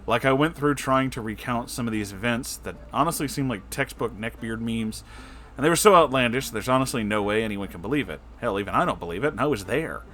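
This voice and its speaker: A man reading internet stories aloud in an expressive, effusive way, breaking in with casual, emotional asides. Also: medium pitch, brisk, a little hiss or hum. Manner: emotional, effusive, reactive, profane.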